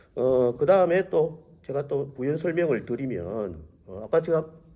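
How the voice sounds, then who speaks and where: A dark, mellow tone carries vocal fry. The accent is Gyeongsang. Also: man. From South Korea, Gyeongsang region. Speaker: patent examiner. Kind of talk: interview answering student reporters. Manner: explanatory, many filler words.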